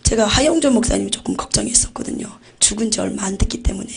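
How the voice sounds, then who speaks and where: A woman's voice: mid-range voice, quick pace, gravelly, a little mellow. A woman giving an intense religious testimony about visions, often dropping to a near-whisper. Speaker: testimony giver.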